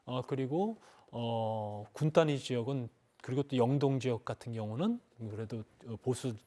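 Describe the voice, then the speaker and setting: Halting middle-aged male political commentator. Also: mid-range voice, dark tone. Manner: halting, with frequent "uh" fillers and measured hedging. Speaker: former lawmaker, panel guest.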